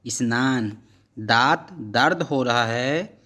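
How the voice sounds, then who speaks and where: A man's voice: mid-range voice, very slow, pushed and bright, no echo. A man teaching vocabulary, repeating each word and then giving its meaning. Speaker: language teacher. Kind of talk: vocabulary lesson.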